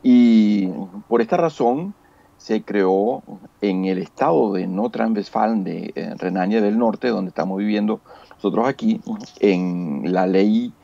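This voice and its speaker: A man from Venezuela with a Venezuelan accent, answering as an interview guest in a halting, hesitant way over dull remote audio. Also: on the low side, gravelly, mellow. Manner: hesitant, halting with frequent pauses. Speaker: guest, local politician and civil engineer.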